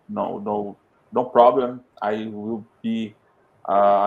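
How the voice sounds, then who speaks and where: A Brazilian man with a Portuguese accent who speaks English as a learner. He talks in a halting way, searching for words and restarting often. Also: on the low side, muffled recording, slight background noise. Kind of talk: casual conversation in English as a second language.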